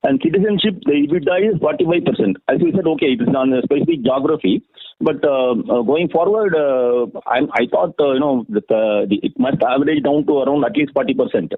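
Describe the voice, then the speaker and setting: Halting man calling in by phone. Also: mid-range voice, animated, husky, no room sound. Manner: hesitant, halting, persistent. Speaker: investor or analyst caller. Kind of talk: earnings call questioning. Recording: tinny, dry phone line.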